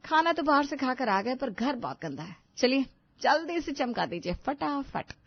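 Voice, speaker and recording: A woman voicing a bossy, mocking young daughter-in-law in an animated story. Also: sits high, moderate pace, slightly rough, no echo, dull audio, pitched above the performer's own voice, heavily acted.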